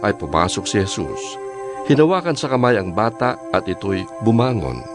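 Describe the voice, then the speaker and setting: A man narrating scripture as a scripted, dramatized storytelling reading. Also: medium pitch.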